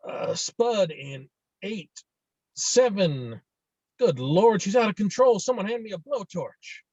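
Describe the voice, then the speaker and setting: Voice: medium pitch, expressive, slow, a little mellow, husky, dry recording, exaggerated voice. Domineering middle-aged patriarch acted at a table read, blustering, dry close sound, dull online-call audio. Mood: boisterous, commanding. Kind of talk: virtual table read of a screenplay.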